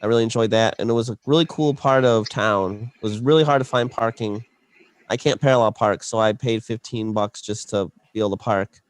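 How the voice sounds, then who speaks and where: A man's voice: fairly low pitch, a little fast, no room sound. A man co-hosting a podcast, telling a long, rambling story in casual chat, full of fillers and restarts. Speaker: podcast co-host.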